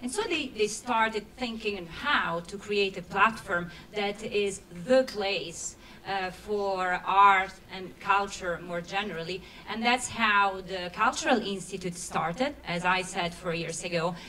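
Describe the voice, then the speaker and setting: In an Italian accent, a woman speaks at a medium pitch and a fairly slow pace with ordinary pitch variation, and audible room echo surrounds her voice. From southern Italy, Naples. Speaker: public policy head, former lawyer. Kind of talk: conference talk. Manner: halting, many fillers.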